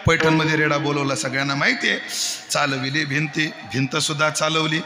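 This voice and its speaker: High bright-voiced Marathi kirtan preacher. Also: male voice. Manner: jokes with the crowd, breaks into loud chanted verse. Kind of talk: devotional kirtan sermon with sung verses. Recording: echoey hall with music.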